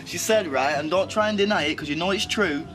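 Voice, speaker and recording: A man's voice: sits high, fast, music in the background, lightly acted. An actor playing a cheeky, teasing young man who talks playfully. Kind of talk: TV soap drama acting.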